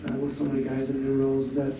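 A man's voice: medium pitch, completely flat delivery, rapid-fire. Man asking questions in a very echoey room. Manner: rambling, multi-part questions. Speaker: sports reporter. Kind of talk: press conference questions. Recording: very echoey room, far from mic, background noise.

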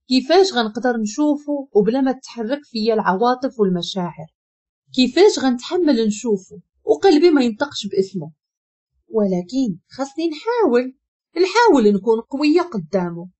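Lively Moroccan woman telling a story. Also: fairly high pitch, slightly rough. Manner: emotional, dramatic reading. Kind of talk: first-person story narration.

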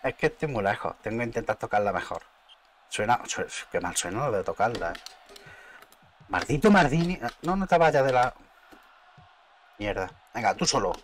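A man with a Spain Spanish accent commentating his own football video game live, excitable, muttering and cursing at the action. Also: mid-range voice, moderate pace, long pauses, a little hiss or hum. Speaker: gaming streamer.

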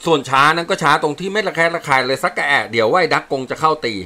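A man's voice: a little high, lively intonation, racing, pushed and bright, voice pushed up, heavily acted. A man voicing a blunt male sergeant briefing his squad in plain, coarse words. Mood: explaining. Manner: blunt, matter-of-fact, coarse. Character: gruff male sergeant, blunt team leader.

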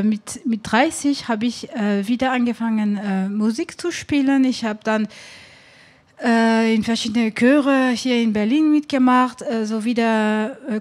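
A woman's voice: on the high side, darkish tone. A woman in her forties from France with a French accent, speaking German as a guest and hesitating with many fillers into a handheld mic. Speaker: singer-songwriter guest. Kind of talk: casual interview chat. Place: small club stage with brick wall. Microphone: handheld microphone.

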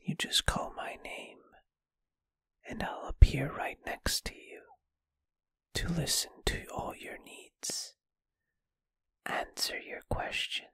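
A performer plays a bashful, friendly ghost in a whispered ASMR roleplay. The delivery is very slow, breathy and tender, with hesitant, intimate phrasing. It is recorded close and dry. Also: pushed and bright, dry recording. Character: shy, gentle, lovestruck friendly ghost. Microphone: close microphone, dry.

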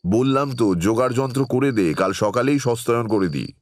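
A man playing a grave, caring tantric storyteller in a dramatized horror audio story, speaking in a measured, solemn way. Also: mid-range voice, animated, slight background noise, lightly acted. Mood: earnest, concerned. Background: background music.

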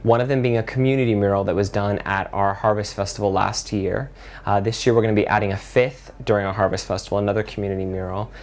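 Earnest man with a lowish voice. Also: steady tone, fast. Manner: earnest, many fillers and restarts. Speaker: city program director. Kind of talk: interview. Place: office with window blinds. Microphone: lapel.

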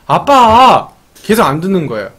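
A man's voice: high voice, very animated, normal speed. A man teaching English in a casual live-streamed lesson, explaining a film scene, repeating lines and asking his audience questions. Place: home streaming setup.

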